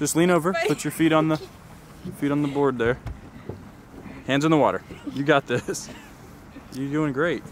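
Fairly even intonation at a moderate pace, in a dry sound with no echo, and with noticeable background noise. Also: man. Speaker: fishing vlogger filming his wife. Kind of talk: casual vlog chat. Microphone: phone near.

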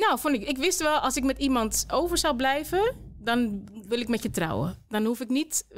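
Over light background noise, a woman with a high pitch speaks at a moderate pace, her pitch swinging very widely. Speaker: podcast host. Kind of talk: conversational interview. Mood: earnest, personal. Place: studio. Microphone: studio mic.

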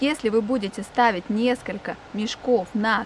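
At a fairly slow pace, a woman speaks with a dry sound with no echo and light background noise. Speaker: presenter. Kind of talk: tutorial. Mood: calm, friendly. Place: garden.

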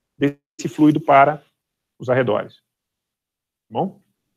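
In a quiet setting, a man speaks with a fairly high pitch. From Brazil, Minas Gerais. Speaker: university lecturer. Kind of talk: lecture. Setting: online class with screen sharing. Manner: halting, many fillers. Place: home room. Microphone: webcam.

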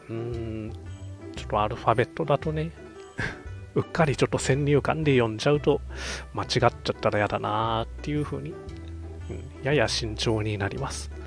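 Over music in the background, a man with a fairly low pitch speaks at a moderate pace in a relaxed tone with very wide pitch swings. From Kanto, Japan. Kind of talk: casual game livestream chat. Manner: relaxed, musing.

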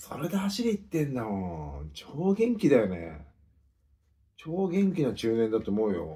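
Very wide pitch swings mark a man's fairly slow speech. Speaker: home vlogger. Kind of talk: casual vlog chat while eating and drinking. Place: home room. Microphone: camera far.

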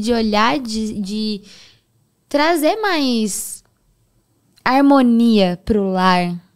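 A woman's fairly high voice with lively intonation and long, frequent pauses, against a quiet background. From interior of São Paulo state, Brazil (Bauru); São Paulo state, Brazil. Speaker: therapist, body language and NLP specialist; podcast guest. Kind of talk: podcast interview, casual chat. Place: studio. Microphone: studio mic.

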